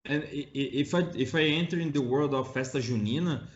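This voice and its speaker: A man's voice: medium pitch, fairly quick, muffled recording. A Brazilian man hosting an interview in English with a Brazilian Portuguese accent, sometimes searching for words. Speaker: podcast host. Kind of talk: casual interview chat.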